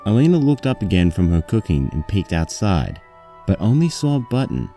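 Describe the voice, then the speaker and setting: Man, low-pitched, dark warm tone, scripted story narration, faint music behind. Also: sing-song, moderate pace.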